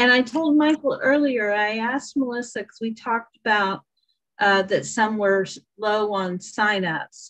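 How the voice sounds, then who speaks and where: Someone with a Southern US accent talks at a moderate pace with ordinary pitch variation, music playing in the background. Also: woman, fairly high pitch for a woman. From US South. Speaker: class coordinator. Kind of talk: casual chat. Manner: halting. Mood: friendly, chatty. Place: home room. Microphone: video call.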